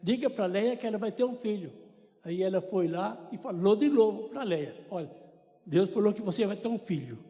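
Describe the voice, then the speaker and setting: An older Brazilian man with a Brazilian Portuguese accent gives a church testimony to the congregation in the sanctuary, telling stories in a chatty way with joking asides. His voice is high and mellow, expressive, at a normal speed. Long church reverb fills the recording.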